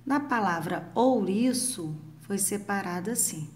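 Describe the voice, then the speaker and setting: Slow patient Brazilian teacher woman. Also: mid-range voice, expressive, darkish tone. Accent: Brazilian Portuguese. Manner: slow, patient, spells out letters and syllables; affectionate with pupils. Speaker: primary school teacher. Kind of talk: recorded remote lesson for children.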